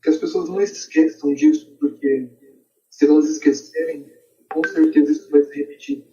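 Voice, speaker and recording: A very dark, mellow male voice with a Brazilian accent, pitched a little high. He talks earnestly as a podcast guest. The sound is dull and distant from the microphone. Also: sing-song, normal speed. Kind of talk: earnest discussion.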